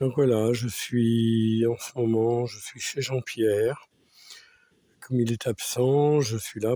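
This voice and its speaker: Very slow, medium-pitched male speech in a dark, mellow tone, dry and close with no echo. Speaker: gardening vlogger. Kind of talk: casual video tour. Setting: outdoors in a garden.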